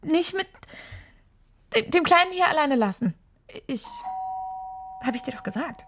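A woman's voice: high-pitched, lively intonation, a little slow, noisy background. An actress playing a panicky young woman who whispers urgently and harshly in a radio play. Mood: flustered. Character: panicky young woman, friend covering up a death.

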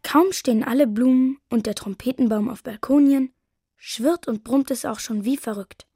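A woman narrating a children's audio play as a boy of nearly eight, in a gentle, lively storytelling manner. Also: a little high, moderate pace, breathy edge, no echo, studio quality, soft background music. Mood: cheerful. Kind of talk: first-person storybook narration.

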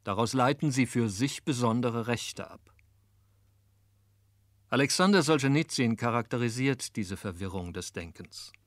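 Male narrator, medium pitch, formal measured delivery of scripted radio feature, dry studio. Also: lively intonation, dry recording.

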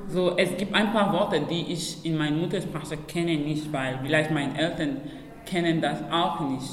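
A woman's voice: low voice, steady tone, normal speed, slight background noise. A woman from Cameroon whose first language is Banzo, answering interview questions in German, laughing and searching for words. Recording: echoey room with faint ambience.

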